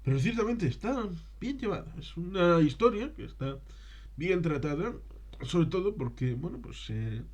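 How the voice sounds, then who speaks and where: A man talks through an unscripted film review as its presenter. His delivery is discursive and halting, as he searches for words mid-sentence. He checks in with short tags and rhetorical questions along the way. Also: high-pitched, big pitch swings, darkish tone.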